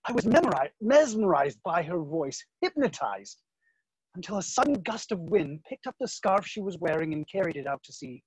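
An earnest young nobleman in love, acted by a man for a stage play. The voice is husky and very lively in pitch, romantic and defiant, recorded dry. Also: moderate pace, dry recording, full character voice, rough recording. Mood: wistful. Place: room at home, video call.

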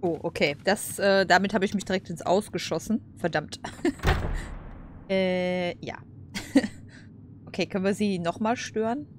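A woman's voice: mid-range voice, a little slow, pauses often, slight background noise. A woman casually commenting over a game, chatty, laughing and cursing at setbacks. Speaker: let's play host.

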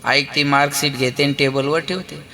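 Bright-voiced kirtan preacher in a hall. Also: male voice, a little high, normal speed. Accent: Marathi. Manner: lively storytelling, acts out family voices, prompts the crowd. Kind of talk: devotional kirtan sermon with sung verses. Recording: long hall reverb with live music.

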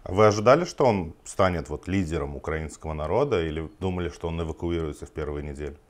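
A man's voice: rumbling low, fast. A man hosting an interview, asking direct, probing questions.

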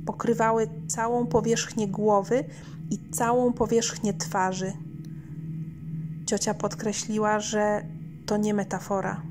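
A woman's voice: mid-range voice, level tone, a little slow, background noise. A woman reading a scripted first-person horror story as an audiobook narrator. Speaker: audiobook reader. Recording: lo-fi home audiobook recording.

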